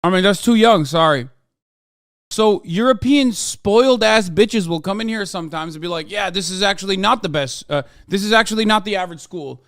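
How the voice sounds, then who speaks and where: A man's voice: sits high, fairly quick, a bit bright, no echo, clean studio sound. An American man streaming, reacting to a video with heated, profane ranting commentary. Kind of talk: casual livestream commentary.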